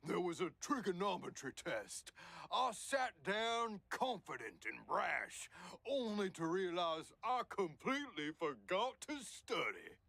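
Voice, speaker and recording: A man's voice: sits high, very animated, unhurried, creaky, pushed and bright, full character voice. An actor voicing a synthetic man who poses as a folksy, cheery human and insists too hard that he is one. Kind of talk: video game character dialogue.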